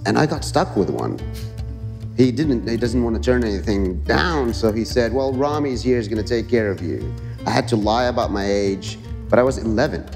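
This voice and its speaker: A man from Egypt, a guest telling animated stories from his life in an interview. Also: mid-range voice, long reverb tail. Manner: animated, lively anecdotes. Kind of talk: interview storytelling.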